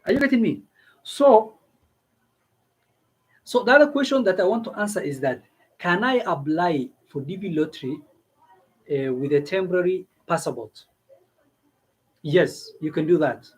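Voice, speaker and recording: A man's voice: high-pitched, animated, unhurried, pauses often, slightly rough. A man from East Africa hosting a casual explainer video, repeating his points and checking in with listeners. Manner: repeats himself, asks listeners questions. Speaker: video host giving visa advice. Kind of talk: casual explainer talk to camera.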